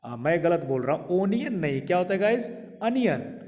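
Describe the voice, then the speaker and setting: Male English teacher, fairly high voice, drills words one by one, lingering reverb. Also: sing-song, a little mellow. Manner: repeats words slowly, asks viewers questions. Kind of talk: pronunciation lesson to camera. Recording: long hall reverb.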